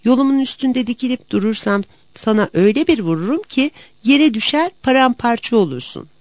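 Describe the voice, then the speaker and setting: A woman's voice: on the high side, expressive, a little fast, no echo, pitched above the performer's own voice, natural voice. A woman voicing a hungry black cat who threatens another cat in a storybook. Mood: threatening.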